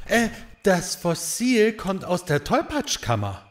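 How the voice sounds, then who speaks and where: A man's voice: high-pitched, huge pitch swings, takes it slowly, heavily acted. A man playing a clumsy, dim but cheerful little creature in a children's audio drama, goofy and hesitant. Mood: goofy, sheepish. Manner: goofy, hesitant, giggle-prone.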